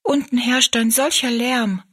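Woman doing a devout little girl, high-pitched, slightly breathy, storybook. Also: fairly even intonation, a little slow, a bit bright. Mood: earnest. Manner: eager, sincere questioning. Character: earnest pious little girl, gentle and curious.

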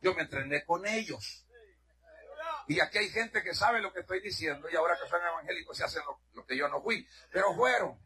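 A middle-aged man from Honduras preaching a sermon in a church. He is fervent, shouts at his peaks and drops to hushed asides. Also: sits high, expressive, fairly quick. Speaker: pastor.

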